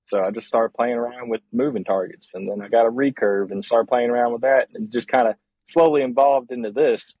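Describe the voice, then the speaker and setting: Brief: young man, casual interview guest, rambling with fillers, mid pitch, dry close sound. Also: brisk, dry recording, highs cut off. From born in Costa Rica, raised in Georgia, USA. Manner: relaxed, rambling, many fillers. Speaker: guest, trick shooter.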